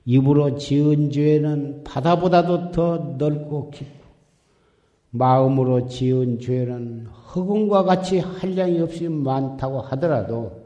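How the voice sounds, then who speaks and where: A man's voice: fairly high pitch, takes it slowly, warm tone, muffled recording. A man giving an exhorting Buddhist sermon as dharma teacher, recorded in a temple hall. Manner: exhorting, repetitive, admonishing. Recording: echoey hall with long reverb.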